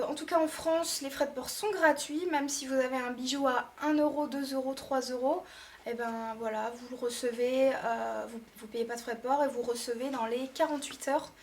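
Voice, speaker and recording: A woman with a bright, high voice talks straight to her viewers in a casual beauty vlog. She reviews products chattily, going through them item by item. A faint background hiss sits under her voice. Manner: chatty, addresses viewers directly, listing items one by one. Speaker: beauty vlogger.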